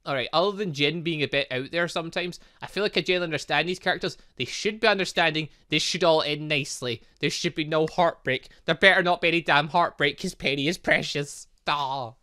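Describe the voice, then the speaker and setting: Male let's-play host, bright and punchy, loose rambling commentary with mild swearing. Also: fairly high pitch, brisk. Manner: chatty, swears lightly, rambling asides. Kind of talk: casual gaming commentary and reading aloud.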